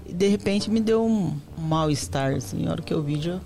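A woman's voice: on the low side, a little fast, vocal fry, warm tone, faint music behind. A middle-aged woman with a Brazilian accent, a nursing technician answering interview questions candidly in casual chat. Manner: candid, telling stories in short plain phrases.

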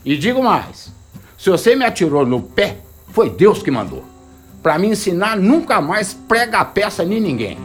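A man's voice: high voice, big pitch swings, normal speed, faint music behind. An actor playing a cranky, swaggering, foul-mouthed gunman in a radio drama, with a rural northern Minas Gerais accent. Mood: grumbling. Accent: rural northern Minas Gerais Brazilian. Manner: grumbling, colloquial, cursing.

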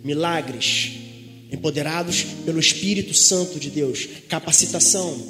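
A man with a Brazilian accent preaching a sermon in a lively, joking way, digressing with asides. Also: on the high side, moderate pace. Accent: Brazilian Portuguese. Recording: reverberant hall with music behind.

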